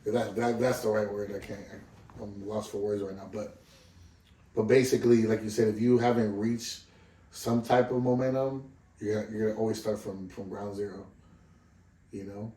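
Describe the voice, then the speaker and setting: A man in his thirties from Southern California talks in a low, mellow voice, loose and rambling, with casual swearing. He sounds a little far from the mic, in a roomy, echoing space. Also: steady tone, moderate pace. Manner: laid-back, rambling, swears freely, lots of "you know what I mean". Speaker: guest musician. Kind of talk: casual interview chat.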